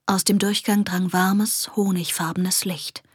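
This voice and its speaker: A woman narrating a children's fantasy story softly and expressively, often dropping to a whisper. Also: mid-range voice, level tone, measured pace, husky, no echo, clean studio sound. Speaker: audiobook narrator.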